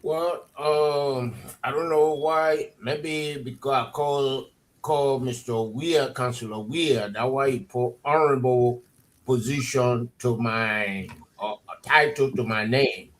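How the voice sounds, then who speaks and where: Slow, wry man. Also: medium pitch, fairly even intonation, rough recording. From Maryland County, Liberia. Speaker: panelist. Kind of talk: self-introduction on a panel.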